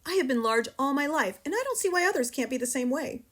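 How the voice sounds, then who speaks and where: A woman's voice: high-pitched, animated, fast, fairly bright tone, pitched above the performer's own voice. A woman voicing a huge, cruel headmistress who barks, snorts and thunders with sarcasm. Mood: outraged. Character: huge tyrannical female headmistress, cruel, bullying.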